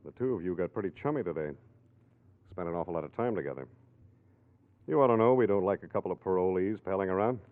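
Casting: terse, threatening police lieutenant, vintage radio drama, low register, narrow thin sound. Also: male voice, expressive, quick pace, long pauses. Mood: coolly warning. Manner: terse, clipped warnings. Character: curt, menacing male police lieutenant. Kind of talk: 1940s radio acting. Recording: tinny, muffled 1940s radio recording.

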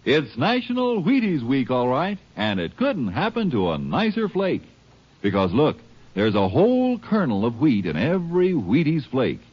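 A male announcer delivers a folksy old-time radio ad with extremely lively, swooping pitch. He is enthusiastic, and the vintage recording is a bit dull. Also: normal speed. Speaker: commercial announcer.

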